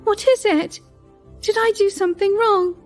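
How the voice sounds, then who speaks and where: A woman's voice: very high-pitched, steady tone, normal speed, soft background music. A woman voicing a naive, tearful young royal concubine who speaks with childlike, pleading innocence. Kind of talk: audio drama acting.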